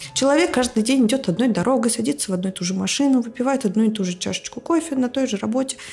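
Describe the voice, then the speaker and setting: Noticeable background noise runs behind a woman speaking at a very fast pace. Her pitch is high and her intonation lively. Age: 30s. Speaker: guest with borderline personality disorder. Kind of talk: personal testimony interview.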